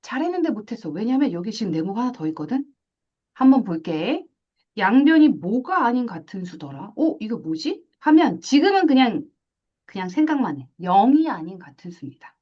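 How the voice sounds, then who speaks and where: A woman teaching a math class, lively, asking questions and acting out little scenes. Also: fairly high pitch, brisk, highs cut off. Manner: animated, asks questions and acts out little scenes. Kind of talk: classroom lecture.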